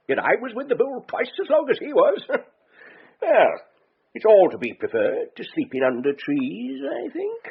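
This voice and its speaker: An old country lord, genial and teasing, chuckling between lines. The gravelly, lively voice comes over a tinny old radio broadcast with faint hiss. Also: male voice, a little high. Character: elderly male lord, jovial and teasing. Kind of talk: radio drama acting.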